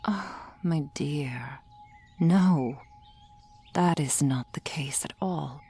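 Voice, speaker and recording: A woman playing a gentle, reassuring soul healer in an ASMR roleplay, speaking in a soft, formal whisper. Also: low voice, very slow, husky, full character voice. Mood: soothing whisper.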